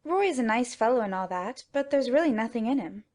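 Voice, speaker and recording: Lady doing a cool frank young woman, calm and dry, bit high. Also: a little fast, natural voice.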